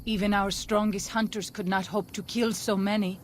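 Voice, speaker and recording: A woman playing a proud, earnest tribal scout in a video game, speaking in formal, deliberate phrases. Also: medium pitch, flat delivery, slight background noise, close to an everyday voice. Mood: watchful, resolute. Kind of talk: video game dialogue acting.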